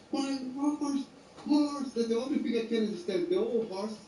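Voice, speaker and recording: A man with an extremely high voice and a Brazilian Portuguese accent at a moderate pace, with audible room echo and noticeable background noise. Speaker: former footballer. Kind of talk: radio interview. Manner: halting, with many fillers.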